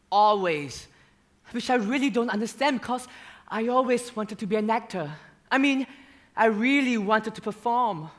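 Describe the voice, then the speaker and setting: A young man acting a stage monologue as a gay male dancer who haltingly confesses his painful past in a theater. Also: very high voice, sharp tone, full character voice. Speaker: student actor in a stage musical.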